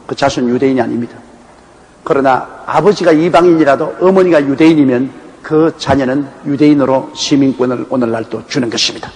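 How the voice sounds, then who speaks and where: A man's voice: a little high, darkish tone. A man from Korea's Gyeongsang province, a pastor giving a Bible exposition sermon in a folksy, anecdotal storytelling manner. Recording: echoey hall with faint background noise.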